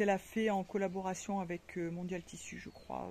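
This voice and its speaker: Using monotone, flat intonation, a woman with a fairly low pitch speaks at a moderate pace. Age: 50s. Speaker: sewing vlogger. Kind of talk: casual vlog talk. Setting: outdoors. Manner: hesitant, many fillers.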